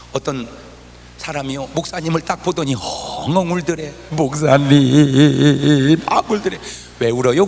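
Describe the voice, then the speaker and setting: Man preaching, high voice, lively swings from hushed to shouting, long church hall reverb, faint hiss. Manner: animated, swings from soft to shouting, acts out quoted prayers. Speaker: pastor. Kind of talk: revival sermon. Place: large church hall with congregation.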